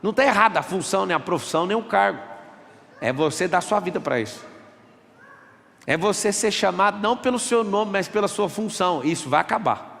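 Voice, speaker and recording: A man's voice: high voice, expressive, brisk, gravelly, fairly bright tone, long reverb tail. A man giving an emphatic motivational talk in an auditorium, taking questions from the audience. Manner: emphatic, rhetorical, quotes people in voices. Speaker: speaker at a live event.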